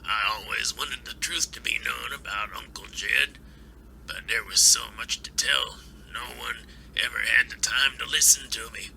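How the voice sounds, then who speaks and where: A man's voice: medium pitch, fairly even intonation, moderate pace, gravelly, pushed and bright, a little hiss or hum, full character voice, poor audio. A man playing a wary, folksy older author with plain-spoken manners in an amateur audio drama. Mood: rueful.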